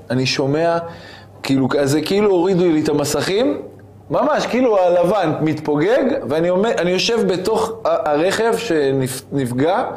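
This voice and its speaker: A man as an interview guest, telling a personal story in an animated way and acting out the scenes he describes. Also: a little high.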